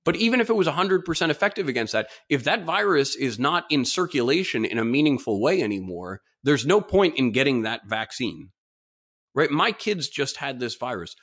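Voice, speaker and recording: A man's voice: medium pitch, big pitch swings, normal speed, fairly bright tone. Slightly congested man talking solo. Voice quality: slightly congested, stuffy nose. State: mild nasal congestion from a cold-like illness. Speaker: podcast host. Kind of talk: solo opinion podcast monologue.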